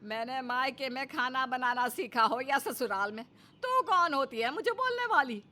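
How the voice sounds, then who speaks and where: A woman's voice: high-pitched, lively intonation, normal speed, bright, forceful tone. A woman voicing a grumbling, dramatic elderly mother-in-law in a cartoon story, scolding with theatrical sighs.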